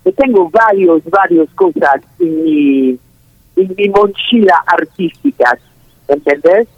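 A woman with a very low voice for a woman, a guest speaking on a remote call, rambling with many restarts and tag questions. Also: sing-song, slow, creaky, no room sound. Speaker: guest performer. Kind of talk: remote interview over a call. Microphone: phone call. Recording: dull phone-line call, dry.

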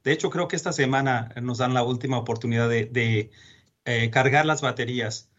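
A man's voice: medium pitch, fairly quick, a bit bright, dull audio. A Mexican man with a Mexican accent, a space agency executive, speaking earnestly as a guest in a radio interview. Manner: earnest, many fillers and restarts.

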